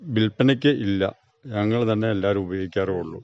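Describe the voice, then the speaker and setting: A man's voice: lowish voice, a little fast, clear, resonant tone, no room sound. A man, giving plain, brief, factual answers in an interview as a retired farmer. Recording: dull, muffled radio recording.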